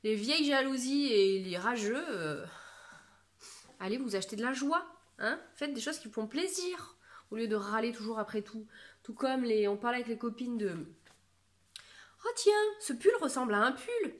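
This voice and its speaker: A woman from France chats away about her knitting projects in a casual, meandering way. Her voice sits slightly higher than most, and she keeps breaking into fillers and teasing herself. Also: normal speed. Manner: chatty, rambling, self-mocking with many fillers. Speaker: knitting vlogger. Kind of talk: casual chat to camera.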